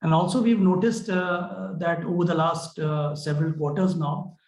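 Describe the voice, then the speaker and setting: A man with an Indian accent answering questions as a company executive on an earnings call, explaining in a measured, hesitant way. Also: fairly high pitch, steady tone, vocal fry, darkish tone. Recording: roomy, echoing conference call.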